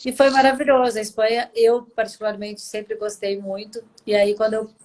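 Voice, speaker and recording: Her voice is a little high, with a level tone and moderate pace. She is a Brazilian woman in her 40s hosting a live video chat, telling personal stories with feeling in a warm, chatty style, her Brazilian Portuguese accent captured by a video call mic.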